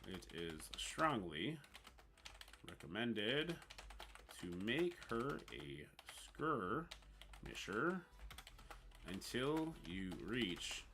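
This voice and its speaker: A livestreaming man with a Newfoundland accent and a low, bright voice. His pitch swings widely as he reads on-screen text in halting bits and breaks off to answer his viewers in relaxed, casual chat. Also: slight background noise. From Newfoundland, Canada. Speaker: livestream host.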